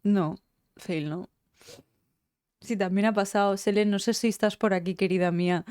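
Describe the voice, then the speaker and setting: A woman's voice: mid-range voice, fairly even intonation, normal speed, a little mellow, clean tone, no room sound, studio quality. A woman with a Spain Spanish accent chatting casually on a live stream, teary after crying, emotional and rambling and swearing freely. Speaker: game streamer.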